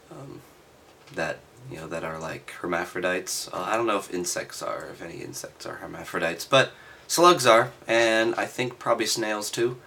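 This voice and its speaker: A man reading aloud and adding halting, offhand, skeptical commentary with sardonic asides. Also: on the low side, bright, forceful tone, a little hiss or hum. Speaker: reader and commentator.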